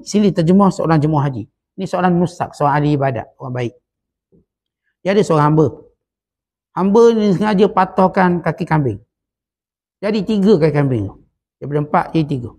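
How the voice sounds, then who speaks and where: In a Sufi study-circle lecture, a religious teacher with a Malaysian Malay accent teaches a Sufi text. His voice is on the high side and a little mellow, and he tells stories and acts out quotes with rising emphasis.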